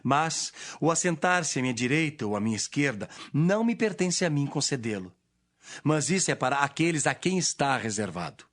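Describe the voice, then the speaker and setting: A man playing Jesus as a solemn, authoritative teacher with measured, declamatory delivery in an audio Bible drama. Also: a little high, very animated, fairly bright tone. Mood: grave.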